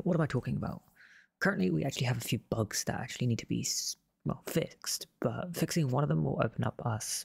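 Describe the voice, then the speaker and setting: A man losing his voice, walking through a coding tutorial in a relaxed way and often correcting himself as he goes. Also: mid-range voice, gravelly, breathy edge, no echo. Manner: relaxed, self-correcting explanations. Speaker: game development tutor. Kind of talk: screen-recorded coding tutorial.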